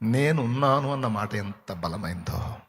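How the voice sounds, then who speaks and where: A man preaching a sermon as pastor, acting out short quoted lines in character and singing hymn lines slowly. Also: lowish voice, expressive. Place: church hall. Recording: long hall reverb.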